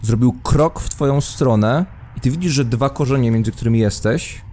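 Mellow-voiced man narrating a tabletop game. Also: medium pitch, normal speed. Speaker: game master. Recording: faint background noise.

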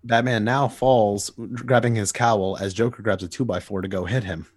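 A man's voice: on the low side, steady tone, normal speed, no room sound, studio quality. A man co-hosting a podcast, reading out comic stage directions plainly. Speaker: podcast co-host. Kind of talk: narrating comic panels.

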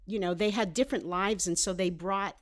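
An older American woman, a television writer, speaking as a guest in a casual interview, measured and reflective. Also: medium pitch, fairly even intonation. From United States. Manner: measured, reflective, thinks aloud.

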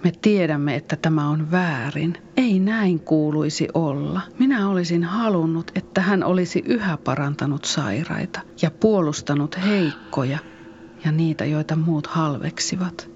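A woman's voice: low voice, darkish tone, highs cut off, slight background noise. A woman playing a sorrowful follower of Jesus, consoling and often whispering.

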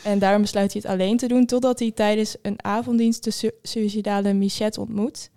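A woman's voice: mid-range voice, level tone, brisk, dark tone. A woman host summarizing a novel in a matter-of-fact way. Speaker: podcast host. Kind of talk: reading a book summary.

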